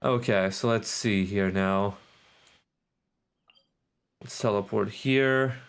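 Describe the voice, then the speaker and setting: A man's voice: on the low side, slow, smooth. A man doing casual live gameplay commentary, rambling, repeating himself and swearing offhand. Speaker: game livestreamer.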